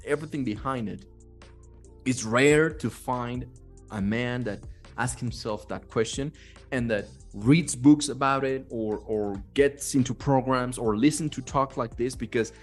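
Blunt man hosting over music. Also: medium pitch. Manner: blunt, swearing freely. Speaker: host of a talk on manhood. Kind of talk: casual motivational chat. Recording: music behind the voice.

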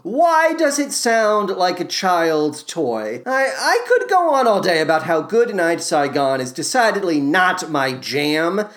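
A man's voice: sits high, big pitch swings, slow pace, hardly any pauses, a bit bright. A male podcast host ranting sarcastically and with exasperation in a comedic review monologue. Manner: sarcastic, exasperated rants with mock voices.

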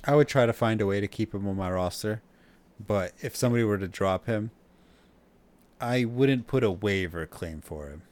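A man's voice: on the low side, normal speed, a little mellow. A man co-hosting a podcast in casual chat, giving blunt, emphatic opinions. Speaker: podcast co-host. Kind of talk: casual fantasy football chat.

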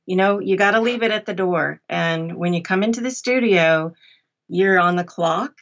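A woman's voice: fairly low pitch, moderate pace, muffled recording. A woman who narrates audiobooks, chatting casually as a podcast guest. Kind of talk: casual conversation.

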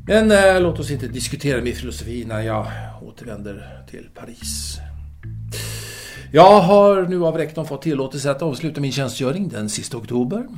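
An actor playing an earnest, pedantic intellectual in an audio drama, discursive and deliberate, a man devoted to his lover. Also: mid-range voice. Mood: matter-of-fact. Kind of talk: audio drama letter monologue and dialogue.

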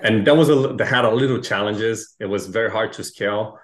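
A man from Chile, a guest speaking earnestly and a little haltingly. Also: on the low side, low-quality recording. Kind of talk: casual interview chat.

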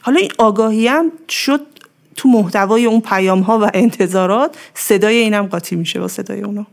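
A woman guest on a conversational podcast, speaking in a steady, reflective way. Her voice has a gravelly, creaky edge. She explains ideas patiently and reaches for simple everyday examples. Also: medium pitch.

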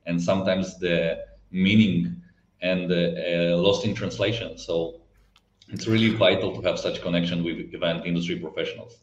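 The voice of this event technology company guest sits low, with fairly even intonation at a normal speed. English isn't his first language, and his foreign accent shows as he explains conversationally, occasionally searching for words. It's a roomy, slightly dull lo-fi recording.

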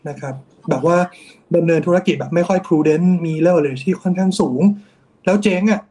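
A man's voice: a little high, normal speed, dark tone. A man giving an explanatory commentary on bond markets, often tagging his sentences with polite particles. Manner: explanatory, mixes English finance terms, frequent polite particles. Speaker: investment strategist.

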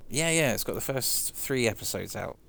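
A man's voice: medium pitch, lively intonation, moderate pace, gravelly, fairly bright tone. A man in casual chat about music, enthusiastic and chatty, laughing easily as he talks.

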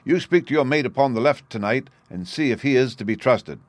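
A man voicing a tall, swaggering young male convict who boasts loudly and laughs at his own schemes. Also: medium pitch, lively intonation, a little fast, dry recording, natural voice. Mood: scheming.

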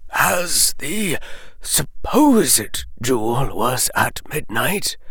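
A man voicing an old male wizard headmaster who speaks calmly in a hushed, near-whispered voice. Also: medium pitch, very slow, slightly rough, no echo, clean studio sound, voice pushed up, full character voice.

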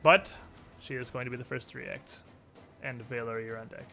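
A man narrating a tabletop role-playing game as game master, telling it deliberately and with suspenseful pauses. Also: mid-range voice, steady tone, creaky, pushed and bright, faint music behind.

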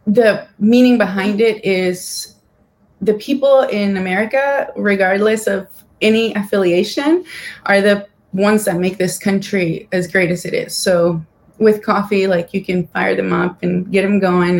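A woman from Guatemala answering interview questions about her business in a relaxed way, with fillers and light laughs. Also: mid-range voice. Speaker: business owner guest. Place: church building.

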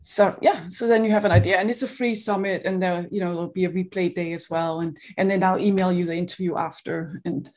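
A Danish woman hosts an online summit interview over a video call. Her Danish accent is clear, and she talks in a loose, chatty way. She laughs easily and often restarts her sentences. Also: fairly low pitch, steady tone, fairly quick, few pauses, darkish tone. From Denmark.

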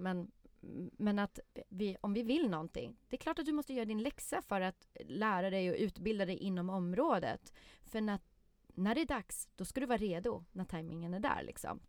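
A woman tells a family anecdote in relaxed conversation, animated and chatty with frequent hesitations. Her voice is mid-pitched and recorded close on a microphone. The sound is dry and intimate. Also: dry recording. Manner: lively storyteller, many fillers and restarts, acts out quotes. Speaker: podcast guest. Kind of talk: casual storytelling chat.

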